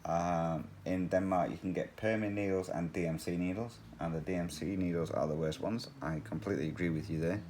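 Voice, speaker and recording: Man, very low voice, casual chatty stitching talk, rambling, laughs a lot. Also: steady tone, brisk, hardly any pauses, a little mellow, slight background noise. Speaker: cross-stitch channel host. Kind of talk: casual chat while stitching.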